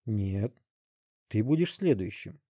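A tough, cynical police chief, voiced by a male reader, near the narrator's own mid pitch. He speaks in clipped, blunt lines. The recording is dry and a touch dull. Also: expressive, normal speed, mellow, no room sound. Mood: curt. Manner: curt, hard, blunt.

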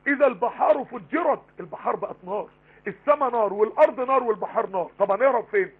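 A man with an Egyptian Arabic accent giving a live online Quran lesson, talking rapidly and emphatically with many rhetorical questions. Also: high voice, husky. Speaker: Quran teacher. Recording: tinny phone-line broadcast.

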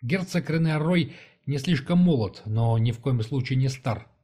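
A man narrating a fantasy novel as an audiobook, in an even, measured reading style. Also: medium pitch.

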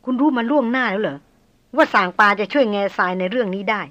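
A woman's voice: fairly high pitch, lively intonation, fast talker, fairly bright tone, dull audio. A woman voicing an anxious, hot-tempered young noblewoman who presses with indignant questions. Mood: questioning.

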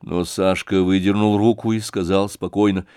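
A man narrating an audiobook in a measured, dramatic reading. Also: low-pitched, level tone, mellow, smooth, no echo, studio quality. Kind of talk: scripted narration.

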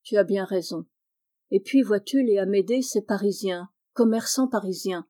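A woman's voice: mid-range voice, normal speed, warm tone, close to an everyday voice. A woman voicing a blunt older male farmer in a storybook reading, speaking frankly and plainly.

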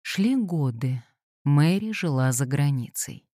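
A woman with a low, mellow voice reads a classic story aloud at a measured pace. Her delivery is even and composed, and the recording is close and dry. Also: slightly rough, no room sound. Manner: measured, even literary reading. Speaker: audiobook reader. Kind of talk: scripted audiobook narration.

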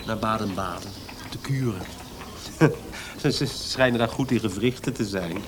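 An actor playing a fragile, self-pitying young poet in a Dutch radio drama, with a plaintive and halting delivery. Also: male voice, on the low side, natural voice. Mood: resigned. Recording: radio play with noisy background ambience.

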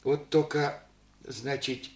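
An actor playing a humble, elderly widowed village father who speaks in halting rustic phrases full of fillers. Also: medium pitch, flat delivery, darkish tone, reverberant. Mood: rambling. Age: older. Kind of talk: archival Soviet radio play acting.

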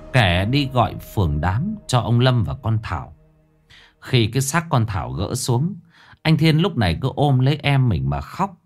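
A man narrating a ghost story in a dramatic, expressive storytelling manner. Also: medium pitch.

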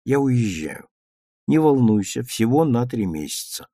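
Man playing a gentle mother, soft reassuring voice, dry recording. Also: medium pitch, very animated, measured pace, no room sound. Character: gentle quiet young mother.

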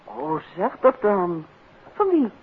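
An actress playing a detective's curious, teasing wife in a 1950s radio play, bantering and playfully nagging. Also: female voice, on the low side, very animated, slow. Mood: exasperated, playful. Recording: muffled, hissy 1950s radio recording.

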